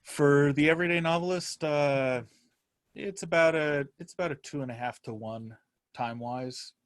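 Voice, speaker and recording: A man talking casually as an interview guest, halting and circling his point before landing on it. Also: a little high, no echo. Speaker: podcast guest, writer and podcaster.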